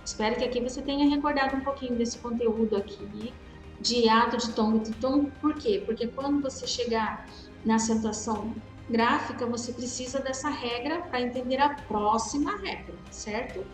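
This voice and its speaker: Brazilian woman teacher, patient, stretches out examples; roomy recording with soft music underneath. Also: on the high side. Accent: Brazilian Portuguese. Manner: patient, drawn-out spelling of examples, calls students dear. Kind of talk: recorded grammar review lesson. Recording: roomy echo with faint music.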